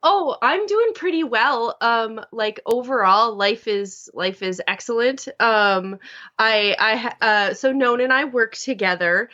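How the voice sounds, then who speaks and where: A woman's voice: fairly high pitch, unhurried, bright, forceful tone, muffled recording. A woman from Minnesota with a Minnesotan accent, chatting as a podcast guest in a bubbly, enthusiastic way with many ums. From Minnesota, USA. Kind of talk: casual podcast chat.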